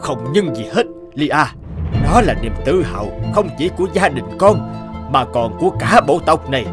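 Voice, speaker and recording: Stern, animated tribal chief played by a man. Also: fairly high pitch, normal speed, close to an everyday voice. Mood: stern reproach. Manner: authoritative, scolding. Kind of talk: animated fairy-tale acting. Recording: music behind the voice.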